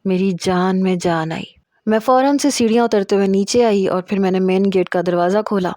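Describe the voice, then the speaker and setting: A woman's voice: medium pitch, a little mellow, no echo, studio quality. Woman narrating a suspenseful story. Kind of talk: first-person story narration.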